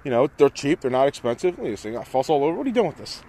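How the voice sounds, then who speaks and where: A man's voice: mid-range voice, sing-song, racing, dark tone. A man in his thirties chatting casually about cars in an outdoor parking lot, filming on a phone, laughing often and swearing casually. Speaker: car vlogger. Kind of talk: casual chat. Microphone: phone camera held by speaker. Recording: outdoor noise from cars and wind.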